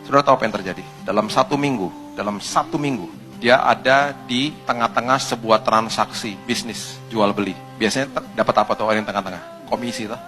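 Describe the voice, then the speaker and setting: A male pastor preaching a storytelling sermon in a lively, conversational way, full of rhetorical questions. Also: lowish voice, brisk, soft background music.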